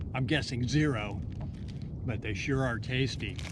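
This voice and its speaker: This man talks fairly slowly, his voice carrying audible room echo. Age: 60s. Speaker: fishing vlogger. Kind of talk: casual vlog narration. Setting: outdoors on a kayak at sea.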